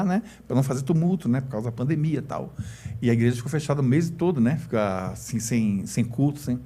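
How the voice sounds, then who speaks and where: A man's voice: a little high, dark tone. A middle-aged man with a Brazilian Portuguese accent, a church elder telling an emotional personal testimony and acting out the quoted dialogue. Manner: storytelling, acts out quoted dialogue.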